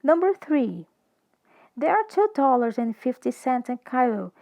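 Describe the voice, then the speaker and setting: Slow, clear woman teaching English. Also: high-pitched, sing-song, mellow, muffled recording. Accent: Brazilian Portuguese. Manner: slow and clear, switching between English and Portuguese. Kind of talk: recorded online English lesson.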